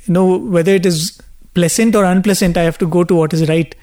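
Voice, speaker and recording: Earnest high-voiced man explaining. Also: fairly even intonation, extremely slow, warm tone. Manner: earnest, explanatory, with many "you know"s. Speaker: discussion co-host. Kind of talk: casual spiritual discussion.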